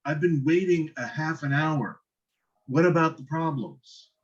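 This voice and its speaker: Casting: impatient teenage boy singer played by a man, higher-set voice, curt and irritable, muffled online table read. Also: measured pace, lightly acted. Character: surly, impatient teenage male garage-band singer. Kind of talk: virtual table read of a film script. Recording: dull lo-fi call audio.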